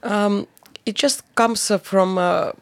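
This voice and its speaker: A woman conductor, answering radio interview questions in English thoughtfully, pausing often with fillers. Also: mid-range voice, steady tone. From Finland. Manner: thoughtful, halting, many fillers. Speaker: orchestra conductor.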